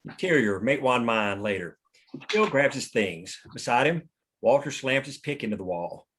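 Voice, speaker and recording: A man's voice: medium pitch, animated, normal speed, fairly bright tone, husky. A man narrating scene headings and stage directions at a script table read.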